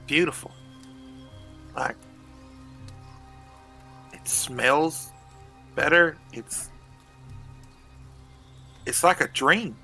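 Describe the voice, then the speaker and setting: A man's voice: fairly high pitch, drawn-out words, gravelly, long pauses, pushed and bright, faint music behind. A man speaking as a player in a tabletop game, giving in-game dialogue.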